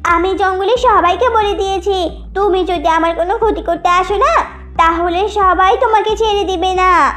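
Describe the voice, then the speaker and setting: A woman's voice: very high-pitched, moderate pace, a bit bright, soft background music. A woman voicing a small, plucky female duckling in a children's cartoon, childlike, plaintive and earnest. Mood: defiant.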